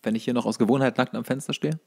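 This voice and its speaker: A man's voice: mid-range voice, fairly even intonation, rapid-fire, gravelly, darkish tone. A young man with a German accent, chatting casually as a podcast co-host.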